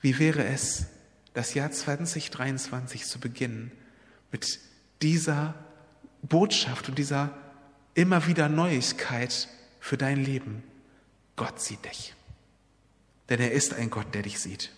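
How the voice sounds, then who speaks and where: A man's voice: medium pitch, measured pace, long reverb tail. A man preaching a sermon, retelling a Bible story in an earnest, personal way and appealing directly to his listeners.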